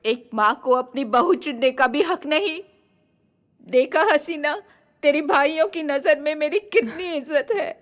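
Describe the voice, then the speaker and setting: A mother who scolds her son and plays up her hurt feelings. Her voice is high and insistent, pushing each line with drama. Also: measured pace, a bit bright. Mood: scolding. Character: middle-aged mother, emotional and scolding. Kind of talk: dubbed film acting.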